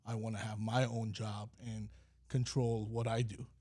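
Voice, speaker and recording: Mellow-voiced man telling stories. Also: fairly low pitch, level tone, normal speed. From California. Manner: rambling storytelling with many fillers. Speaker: guest, company president. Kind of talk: podcast interview.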